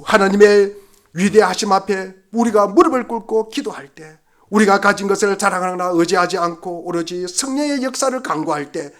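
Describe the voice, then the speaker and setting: A male pastor delivering a Sunday sermon with a notably high-pitched voice. He preaches fervently and repeats key phrases for emphasis. He swings from loud, urgent exhortation down to quiet, hushed lines.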